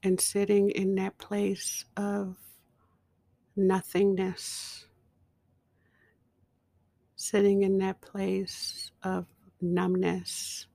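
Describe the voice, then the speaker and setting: A woman telling a personal story in a slow, emotional way, with dramatic pauses. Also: medium pitch, completely flat delivery, creaky, warm tone, no room sound, clean studio sound. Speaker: speaker.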